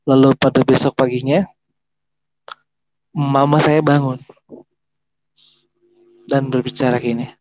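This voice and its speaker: A man's voice: medium pitch, flat delivery, slow, pauses often, a little hiss or hum. A man in his thirties with a Makassar Indonesian accent, telling his personal testimony in a rambling way, with restarts and fillers. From South Sulawesi, Indonesia. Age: 30s. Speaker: guest sharing a testimony. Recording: dull lo-fi sound.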